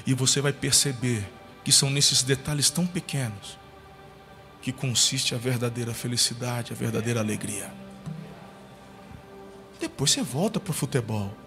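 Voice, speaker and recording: A man's voice: mid-range voice, a bit bright, long reverb tail. A man preaching a sermon as pastor, telling a story with acted-out quotes. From Brazil. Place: church hall.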